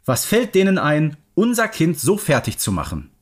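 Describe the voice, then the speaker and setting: A man's voice: fairly high pitch, wildly swooping pitch, normal speed. A man voicing an indignant, protective father in a children's story reading.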